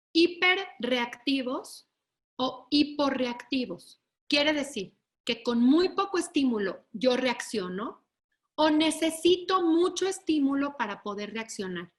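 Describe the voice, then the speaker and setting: Lady teaching a webinar, high voice, keeps asking if everyone's following. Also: fairly bright tone. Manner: explanatory, asks the audience "¿sí?" to check understanding; acts out children and parents in raised voices. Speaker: lecturer. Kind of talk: webinar lecture.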